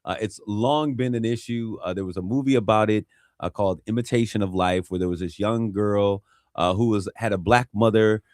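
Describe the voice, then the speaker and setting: A man hosting a radio talk show and interviewing a guest, speaking in a measured way with frequent filler sounds. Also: on the low side, dry recording, studio quality. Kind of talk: interviewing a guest on race issues.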